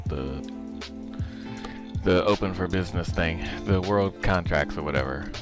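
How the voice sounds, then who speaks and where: Deep-voiced man chatting over game music. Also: unhurried. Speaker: fellow player. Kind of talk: casual gaming chat. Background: music, other players chattering.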